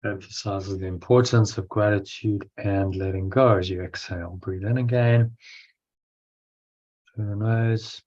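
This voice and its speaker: A man leading a guided breathing meditation as a teacher, giving instructions in short phrases with pauses and reading out affirmations. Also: on the low side, steady tone, a little mellow. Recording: dull, lo-fi sound.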